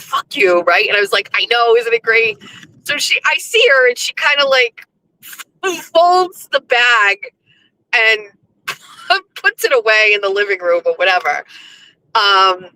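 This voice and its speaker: Hoarse, bright-voiced woman telling a story. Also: on the high side, low-quality recording. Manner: laughs through the story, swears casually. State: hoarse from screaming. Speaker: podcast host. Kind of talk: casual storytelling.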